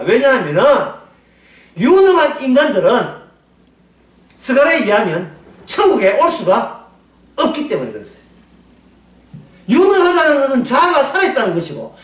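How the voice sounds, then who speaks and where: Animated male Bible lecturer, high voice. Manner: animated, acts out quotes, laughs often. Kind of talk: sermon-style Bible lecture. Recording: echoey room, distant mic.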